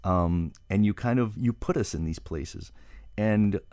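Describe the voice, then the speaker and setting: Guy hosting an interview, low voice, dry close sound, rambly thoughtful questions. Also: measured pace, darkish tone, no room sound. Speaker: radio interview host. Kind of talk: conversational interview.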